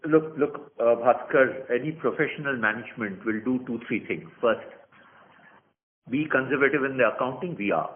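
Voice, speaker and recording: A man's voice: medium pitch, normal speed. A man with an Indian accent answering as a company executive on an earnings call, speaking in a firm, instructive way and setting out points. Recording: tinny phone line, noisy conference call.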